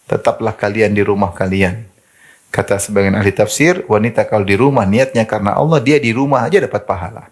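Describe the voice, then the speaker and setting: Animated man preaching. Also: fairly low pitch. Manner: animated storytelling, mimics quoted speakers. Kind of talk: Islamic sermon to women.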